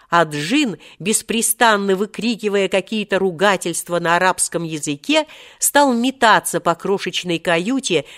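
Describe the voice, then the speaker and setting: A woman narrating a children's storybook in a measured, expressive reading. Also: lowish voice. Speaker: audiobook narrator.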